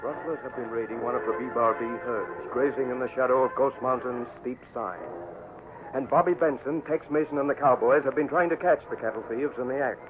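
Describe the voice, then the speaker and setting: A man's voice: medium pitch, brisk, over loud music. Male narrator on tinny old radio. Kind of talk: scripted dramatic radio narration. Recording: tinny, hissy vintage radio recording.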